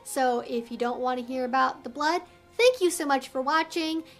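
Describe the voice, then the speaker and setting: A woman with a high voice hosts an educational video. She explains things earnestly and articulately, as if from prepared notes. Faint music plays behind her. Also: normal speed. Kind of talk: explainer video to camera, semi-scripted.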